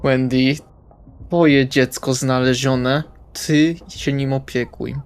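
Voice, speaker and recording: A man's voice: mid-range voice, little pitch movement, slow, clear, resonant tone, soft background music. Man playing an irritable, scornful male vampire. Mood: fed up. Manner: exasperated, scornful, sardonic.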